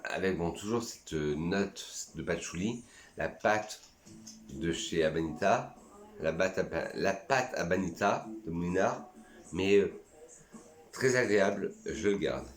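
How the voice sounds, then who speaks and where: A man's voice: low-pitched, lively intonation, measured pace, reverberant, soft background music. A man from France chatting casually and enthusiastically in a vlog, reviewing his perfumes and sometimes talking to himself. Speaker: perfume YouTuber.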